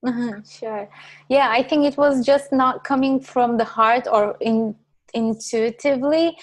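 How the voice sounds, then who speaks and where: Hesitant woman, higher voice. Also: no room sound. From Turkey. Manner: hesitant, many ums and restarts. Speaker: guest. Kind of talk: casual interview talk.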